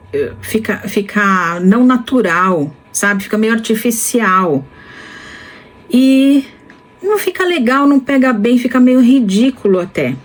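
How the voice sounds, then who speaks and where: A woman in her fifties from Brazil talks to camera in a relaxed, reflective vlog. She speaks slowly and deliberately, pausing often and restarting her phrases as she thinks. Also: mid-range voice. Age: 50s. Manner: slow and deliberate, with many pauses and restarts. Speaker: vlogger. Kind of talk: casual reflective talk to camera.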